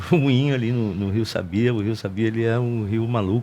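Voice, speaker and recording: A man talks at a moderate pace in a medium pitch. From Brazil, Rio Grande do Sul (Nova Prata). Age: 60s. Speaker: teacher. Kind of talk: casual chat. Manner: halting.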